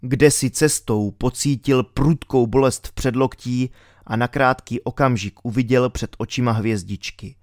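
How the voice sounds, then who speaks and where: A man's voice: medium pitch, fairly even intonation, a little mellow, no echo, clean studio sound. Man narrating a thriller audiobook dryly. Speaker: audiobook reader.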